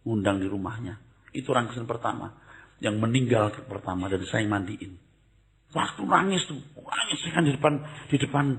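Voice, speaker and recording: An older man preaching a sermon, jumping from loud exclamations to hushed asides. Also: on the low side, gravelly. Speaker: pastor.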